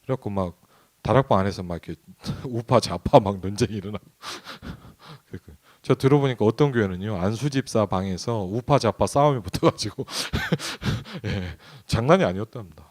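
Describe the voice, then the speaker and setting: A man's voice: lowish voice, lively intonation, moderate pace, darkish tone. A man who is a pastor, preaching a midweek sermon in a conversational way and often asking the congregation questions. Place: church sanctuary.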